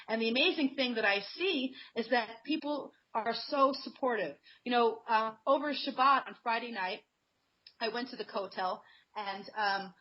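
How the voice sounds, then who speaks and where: Earnest woman telling stories on radio. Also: a little high. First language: not Hebrew. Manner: earnest, conversational, with anecdotes. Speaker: guest. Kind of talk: radio interview, personal storytelling. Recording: muffled lo-fi radio sound.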